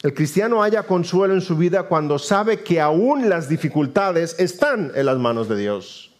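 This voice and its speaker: A man preaching a sermon, swinging between emphatic raised lines and hushed low endings. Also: sing-song, normal speed. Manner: dramatic swings between emphatic rises and quiet low drops.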